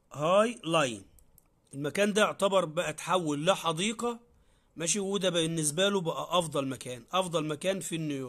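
In a very clean recording with a silent background, a man speaks at a moderate pace in a high voice. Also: ordinary pitch variation. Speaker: English teacher. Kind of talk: tutorial. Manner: halting.

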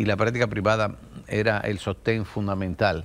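A man speaks at a fairly low pitch with vocal fry. His pitch variation is ordinary. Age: 70s. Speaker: transplant physician, institute director. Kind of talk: interview. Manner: halting. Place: studio. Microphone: lapel.

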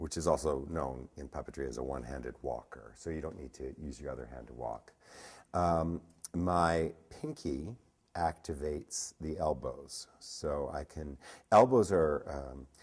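A man's very deep, low voice with vocal fry, ordinary pitch variation and a fairly slow pace against a quiet background. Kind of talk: interview answer. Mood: amused, anecdotal. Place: stage.

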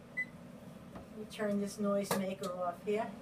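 A woman talks while noticeable background noise plays in the background. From US, Italian-American family. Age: 70s. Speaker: home cook. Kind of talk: cooking tutorial. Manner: chatty, humorous. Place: kitchen. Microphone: camera far.

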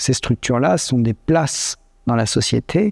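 Against a quiet background, a dark, mellow voice moves at a fairly slow pace with lively intonation. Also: man. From France, Charente (Cognac region); France. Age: 40s. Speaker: cognac producer and winegrower. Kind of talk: interview. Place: shop. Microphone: lapel.

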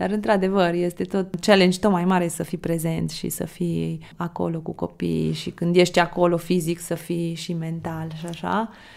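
A woman speaks in a monotone, flat delivery at a fairly low pitch and moderate pace. The recording is very clean with a silent background. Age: 40s. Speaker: podcast host. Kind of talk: podcast interview.

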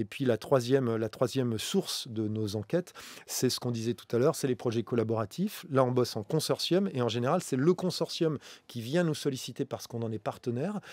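A man talks fairly quickly with lively intonation, the sound dry with no echo and the background quiet. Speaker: head of an investigative journalism unit; guest. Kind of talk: live interview. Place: studio. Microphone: studio mic.

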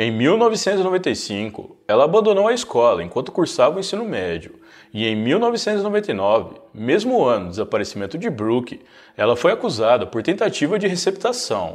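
Moderate pace and very wide pitch swings from a man with a high pitch. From Brazil. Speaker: true crime YouTuber. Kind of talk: true-crime narration, storytelling a case in a steady read-out. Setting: home studio recording for video channel. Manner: measured, even, serious storyteller pace; clear and informative, slightly formal.

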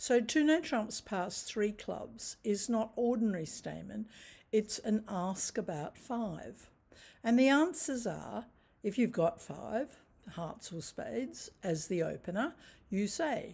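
A woman speaks at a very slow pace. Vocal fry runs through her voice. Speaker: bridge teacher. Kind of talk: lecture. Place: home room. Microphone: webcam.

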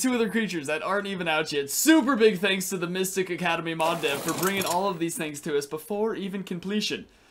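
Amid noticeable background noise, a man with high pitch and ordinary pitch variation talks at a very fast pace with hardly any pauses. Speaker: gaming YouTuber. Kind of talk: gameplay commentary. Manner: casual, rambling.

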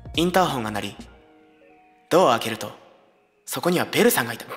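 With faint music in the background, a man talks at a fairly high pitch, his voice rising and falling across very wide pitch swings. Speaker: virtual streamer. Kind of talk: dramatic reading of a fan-written romance story. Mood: playful, embarrassed dramatic.

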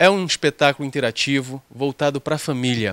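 Against a quiet background, a man talks at a fairly quick pace in a bright, sharp tone, the sound dry with no echo. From Pernambuco, Brazil. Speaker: theatre director. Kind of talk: casual interview. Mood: warm, enthusiastic. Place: office. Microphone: handheld.

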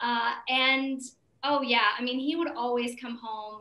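A woman with an American accent speaks in a raised, projected voice, high-pitched with a bright, sharp tone, and audible echo fills the room. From Georgia, US South. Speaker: podcast host and actress. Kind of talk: casual chat. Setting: video call. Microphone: video call.

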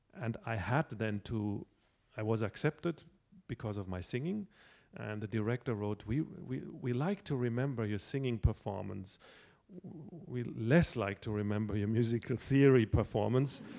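A man with a German accent and a dark, mellow tone against a quiet background. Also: medium pitch for a man, ordinary pitch variation, moderate pace. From Germany. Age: 40s. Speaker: classical singer. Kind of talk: public conversation. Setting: stage with audience. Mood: relaxed, anecdotal, humorous. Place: hall. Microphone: handheld.

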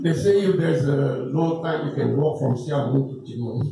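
Fairly high male voice with ordinary pitch variation, audible room echo and light background noise. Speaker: retired school principal, law teacher. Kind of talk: after-lunch speech to former students. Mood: humorous, reminiscing. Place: hall.

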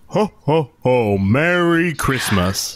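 A man's put-on character voice, pitched fairly high.

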